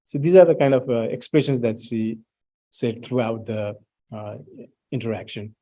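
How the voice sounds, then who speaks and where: A middle-aged man presenting research findings at an academic talk, pausing often with fillers and restarts. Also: medium pitch, mellow. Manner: hesitant, many fillers and restarts, reads out student quotes.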